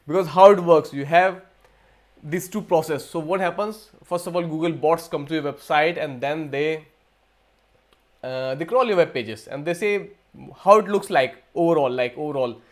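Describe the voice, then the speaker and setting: A man's voice: fairly high pitch, moderate pace. Indian man hosting a rambling livestream. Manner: rambling with frequent restarts and repeated words. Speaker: livestream host. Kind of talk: casual live Q&A talk.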